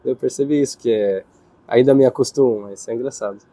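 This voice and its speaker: A young man from Israel with an Israeli accent, answering interview questions in his second language, pausing and searching for words. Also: medium pitch, warm tone, dry recording. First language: Hebrew. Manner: hesitant, searching for words, with restarts.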